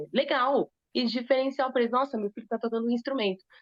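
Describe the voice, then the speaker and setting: A woman talks with a fairly high pitch. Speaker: music school director. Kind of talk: online talk sharing business experience. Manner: animated.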